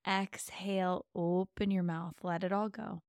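A low-voiced woman, host and guide of a meditation podcast, leads a soft, soothing guided meditation in a steady tone. She gives gentle, slow instructions separated by long, spacious pauses. It's studio-quality audio with no room sound.

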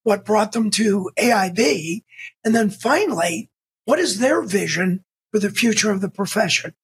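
A man's voice: sits high, expressive, moderate pace, fairly bright tone, slightly rough. Upbeat male podcast host with a muffled, unclear voice. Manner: upbeat, encouraging, short affirmations. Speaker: podcast host and institute founder. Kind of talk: casual interview chat.

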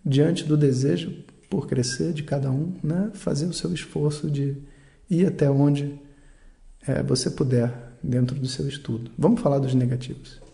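A man giving a relaxed vocabulary lesson as a recorded phone voice message, reflective and pausing to search for words. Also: a little high, vocal fry. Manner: slow, reflective, trails off while searching for words. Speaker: language teacher.

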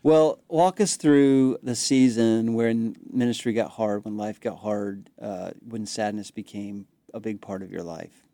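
A man's voice: fairly low pitch, fairly even intonation, unhurried, mellow, no room sound. A man co-hosting a ministry podcast, introducing guests and asking questions in an earnest, conversational way. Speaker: podcast co-host. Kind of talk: podcast interview.

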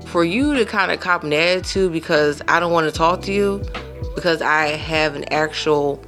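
A woman in her thirties hosting a podcast, telling a personal story in a casual, animated way with emphatic asides to her listeners. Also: deep voice. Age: 30s. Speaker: podcast host.

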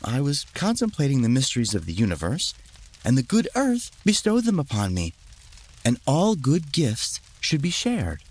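Humble, generous storybook noblewoman played by a man, earnest, raised voice with lively melody. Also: medium pitch, normal speed, pitched above the performer's own voice.

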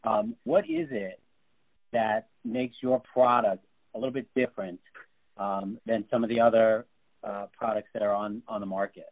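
A man's voice: fairly low pitch, lively intonation, moderate pace. A man hosting an interview, asking questions in a friendly, rambling way with fillers. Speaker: interview host. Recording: tinny phone-like line.

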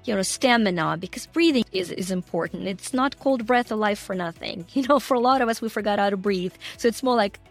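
A woman guest on a podcast talking about her coaching work in an earnest, animated way, often laughing as she speaks. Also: medium pitch, fairly quick, few pauses, faint music behind. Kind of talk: conversational interview.

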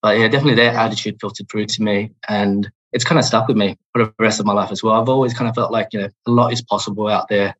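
A man in his thirties from Australia with an Australian accent, a podcast guest talking in a relaxed, reflective way with many fillers. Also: on the low side, quick pace, few pauses, dull audio. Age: 30s. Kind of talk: interview podcast.

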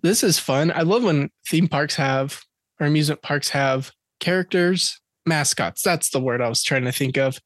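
A man with a slightly high, somewhat bright voice co-hosts a podcast at a moderate pace, casually reading facts and dates with jokes mixed in. The sound is clean studio audio with no room sound.

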